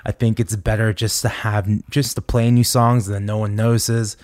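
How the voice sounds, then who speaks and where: A young adult man hosting a podcast, rambling and halting with many restarts, as he talks casually about touring and new songs. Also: on the low side, flat delivery, darkish tone, no room sound, clean studio sound. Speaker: podcast host and touring musician. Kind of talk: casual podcast monologue and interview.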